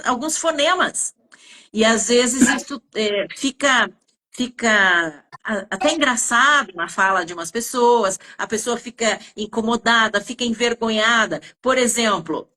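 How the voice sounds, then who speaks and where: Explaining southern Brazilian woman, lively. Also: fairly high pitch, unhurried. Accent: southern Brazilian Portuguese. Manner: explanatory, gives many examples, frequent hesitations. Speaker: communication teacher. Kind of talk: casual two-person chat.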